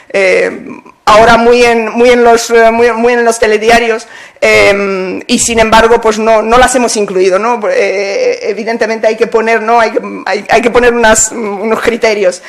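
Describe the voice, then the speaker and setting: A woman, an anthology editor, speaking hesitantly with many fillers on a poetry panel. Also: medium pitch. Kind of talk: panel talk at a poetry event.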